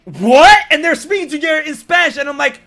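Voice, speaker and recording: A young American man hosting a podcast, telling a story in casual chat and acting out quotes with sudden loud jumps. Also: very high voice, animated, fairly quick, creaky, soft background music. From United States. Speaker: podcast host.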